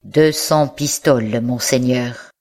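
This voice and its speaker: A reader voicing an old male bookseller, miserly and secretive, who stammers and pleads over his precious books in a slow audiobook reading. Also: mid-range voice, animated, darkish tone, breathy edge. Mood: guarded.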